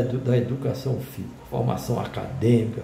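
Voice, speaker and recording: Medium-pitched male speech in a room with audible echo. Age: 80s+. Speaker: retired physical education administrator. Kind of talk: interview testimony. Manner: halting.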